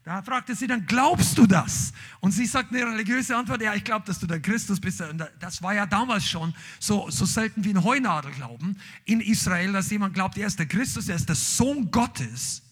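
A man's voice: high-pitched, lively intonation, fairly quick, few pauses, husky. A man preaching a sermon, reading scripture aloud and then driving his point home with emphatic, rising outbursts. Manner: emphatic, rising to shouts on key lines.

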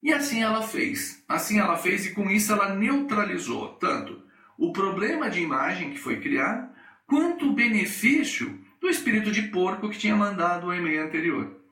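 A man's voice: high voice, moderate pace, roomy sound, recorded from a distance. A middle-aged Brazilian man hosting a coaching podcast, telling a workplace story and acting out the people in it. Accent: Brazilian Portuguese. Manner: animated, acts out the people in his stories. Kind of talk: storytelling monologue.

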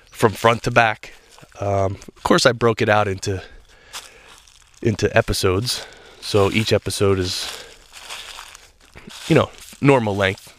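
Walking outdoors in a state park, a podcast host with a lowish, slightly stuffed-up and nasal voice delivers a solo spiritual monologue. His talk is earnest and reflective, loose, with frequent restarts.

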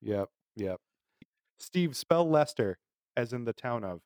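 A man's voice: medium pitch, lively intonation, a little slow, a little mellow, dry recording, studio quality. A man from Massachusetts co-hosting a podcast in casual chat, telling stories in a rambling way and laughing often. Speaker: podcast co-host.

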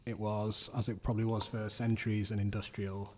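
A man's voice: fairly low pitch, level tone, fairly quick, darkish tone. A man in his forties from Sheffield, a guest author giving plain, matter-of-fact answers in an interview. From Sheffield, England. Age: 40s.

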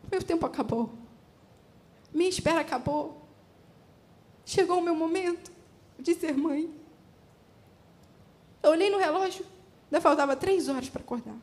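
A woman's voice: high-pitched, darkish tone. A woman, telling a personal testimony at church and acting out her own past words with emotion. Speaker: church speaker. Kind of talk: sermon testimony.

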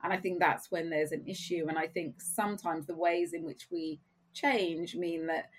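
A woman guest on an interview podcast, a career coach, explaining her views in a measured way with rhetorical questions. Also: on the low side, fairly even intonation, a little hiss or hum. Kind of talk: conversational interview.

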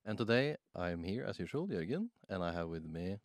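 Man host, very deep voice, dry close sound, relaxed, friendly. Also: moderate pace, no echo. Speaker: podcast host. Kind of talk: casual podcast interview.

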